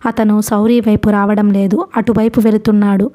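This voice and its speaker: Mellow-voiced woman reading a novel aloud. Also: mid-range voice, level tone, normal speed. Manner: reads a novel aloud, voicing characters in her own voice. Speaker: audiobook narrator. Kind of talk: storybook narration.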